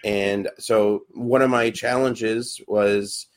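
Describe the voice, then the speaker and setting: A man's voice: fairly low pitch, steady tone, takes it slowly. A young adult man, a podcast co-host and actor, chatting casually and hesitantly with many fillers and restarts.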